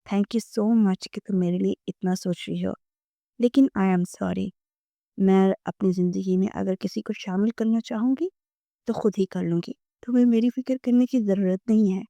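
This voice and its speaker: A woman reading the part of a proud young wife who speaks in a flat, composed way. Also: mid-range voice, gravelly, no echo, lo-fi sound, close to an everyday voice. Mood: polite.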